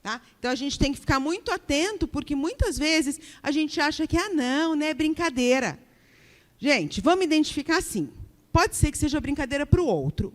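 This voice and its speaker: High-voiced Brazilian woman lecturing in a hall. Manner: keeps checking in with the audience, acts out example remarks. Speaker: workplace harassment trainer. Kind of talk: live training lecture to an audience.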